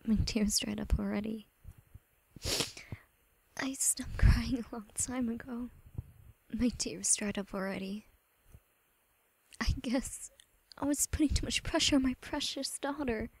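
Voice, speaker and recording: A woman voicing a weary, regretful mother with a breathy voice in an anime-style audition. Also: a little high, unhurried, pauses often, no room sound, heavily acted, rough recording. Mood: sad, regretful.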